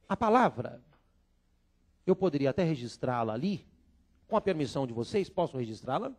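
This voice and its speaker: A man's voice: mid-range voice, very animated, a little fast. A man teaching Portuguese grammar to law students, drilling them with call-and-response repetition in a filmed lecture room.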